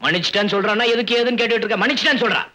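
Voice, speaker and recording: A man's voice: on the high side, lively intonation, brisk, sharp tone, exaggerated voice, rough recording. An actor playing a blunt village strongman in an old film, commanding but kind at heart.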